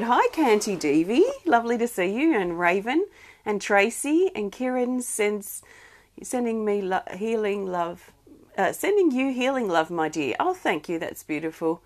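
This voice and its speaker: A woman hosting a live healing-guidance stream, speaking gently with many pauses, a bit wheezy from irritated lungs. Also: medium pitch. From Australia. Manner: soft, gentle, greets viewers by name, many ums and restarts. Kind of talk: live-streamed spiritual chat.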